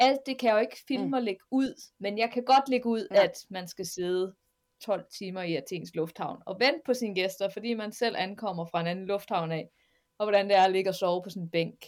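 Her voice is a plain, everyday voice, a woman's at medium pitch with ordinary pitch variation. She keeps a moderate pace on a very clean recording with a silent background. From Denmark, Silkeborg (Jutland). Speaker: travel guide and writer. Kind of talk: interview.

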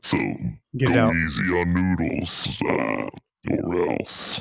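A man puts on a character voice with a very deep, low pitch and speaks at a very slow pace. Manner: threatening, joking.

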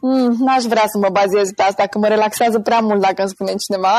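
A woman's very fast speech at a medium pitch, monotone and flat in intonation, over noticeable background noise. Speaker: vegan chef and food blogger. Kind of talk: casual interview.

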